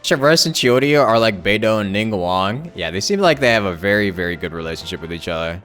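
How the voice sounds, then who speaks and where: A woman streamer with an extremely low voice, commenting casually on a game as it plays. Faint music runs behind her. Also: expressive, a little fast.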